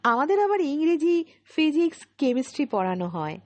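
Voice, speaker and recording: A woman's voice: high voice, sing-song, normal speed, pitched above the performer's own voice. A woman voicing a curious, cheeky schoolchild in an audio story, eager and pointed. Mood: proud. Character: curious, cheeky schoolchild testing a new tutor. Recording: slightly dull, lo-fi recording.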